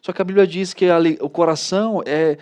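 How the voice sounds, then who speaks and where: A man's voice: high-pitched, fast, smooth. A man in his thirties, a pastor with a Brazilian Portuguese accent, telling stories animatedly in a casual chat. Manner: animated storytelling, many "né" tags. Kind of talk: casual studio talk.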